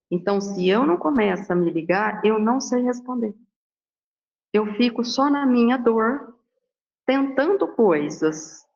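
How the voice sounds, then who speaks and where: Brazilian woman giving a questioning talk. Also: fairly high pitch. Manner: conversational, asks herself rhetorical questions. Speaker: spiritist study speaker. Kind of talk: Sunday gospel study talk. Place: Spiritist center hall. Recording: dull lo-fi sound.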